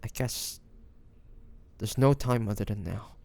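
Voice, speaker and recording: Man acting a slow, gravelly, lovestruck young man. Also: on the low side, darkish tone. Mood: nervous, hesitant. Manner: hesitant, stammering, breathy sighs. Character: devoted young man, tender, nervous, lovestruck best friend. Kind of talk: intimate romantic audio roleplay.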